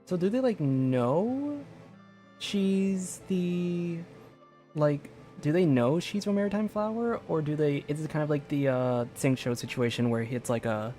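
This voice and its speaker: A man's voice: on the high side, a little slow, mellow, faint music behind. A man giving casual livestream commentary on a game, talking in a rambling, hesitant way. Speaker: game streamer.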